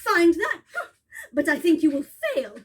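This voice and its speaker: A mighty, cocky male eagle from a storybook, as a woman reader puts him on, brushing off pleas with loud, dismissive swagger. The voice still sits high. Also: sing-song, normal speed.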